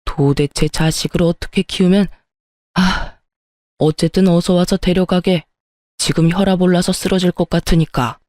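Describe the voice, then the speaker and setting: Brief: woman voicing a curt, fed-up older father, mellow and dry. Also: on the low side, fairly even intonation, moderate pace, no room sound, close to an everyday voice. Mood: exasperated. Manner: curt, exasperated. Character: irate older man, the narrator's father.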